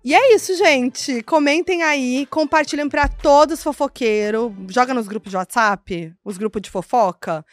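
A woman's voice: high voice, measured pace, few pauses, no echo. Chatty Brazilian woman hosting a gossip chat. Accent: Brazilian Portuguese. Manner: chatty, animated, constant "né" and "gente" tags. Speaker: host.

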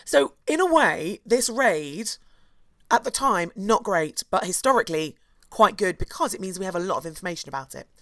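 Hoarse chatty woman. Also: mid-range voice, moderate pace, no room sound. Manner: chatty, animated, many asides and restarts. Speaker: podcast co-host. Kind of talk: casual chat, storytelling history.

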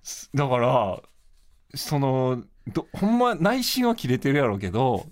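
A man's voice: mid-range voice, wildly swooping pitch, normal speed. A man with a Kansai accent, a comedian guest chatting casually and agreeably with the host. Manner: easygoing, agreeable, short backchannels.

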